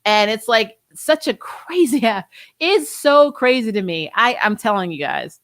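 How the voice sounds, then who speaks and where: A woman's voice: on the high side, sing-song, measured pace, a bit bright, dry recording. Chatty woman in her forties, dry sound. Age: 40s. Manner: chatty, rambling, laughs often. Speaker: host reading viewer comments. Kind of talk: casual livestream chat.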